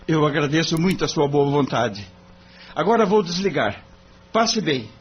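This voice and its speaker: An actor playing a polite, earnest young lawyer who talks courteously but insistently on the phone. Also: male voice, on the high side, lively intonation, normal speed, slight background noise, natural voice. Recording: dull lo-fi radio recording.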